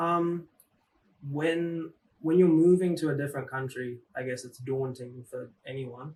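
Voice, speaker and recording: His voice is somewhat breathy and fairly high for a man, moving at a fairly slow pace with ordinary pitch variation and big swings in loudness. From England and New Zealand, Sri Lankan-born. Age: 20s. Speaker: university student. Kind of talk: interview answers. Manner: casual with many fillers.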